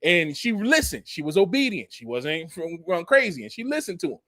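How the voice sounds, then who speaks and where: Quick and very animated, this man's voice sits high and sounds fairly bright, with no echo. He's a Bible teacher in his forties who preaches casually from scripture, restarting phrases, leaning on "you know," and adding mocking, emphatic remarks.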